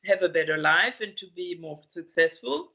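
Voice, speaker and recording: A woman's voice: on the low side, animated, normal speed, bright, forceful tone, dull audio. A woman in her sixties from Colombia, explaining things in an interview over a video call and searching for words with many fillers. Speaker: interview guest. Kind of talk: conversational interview.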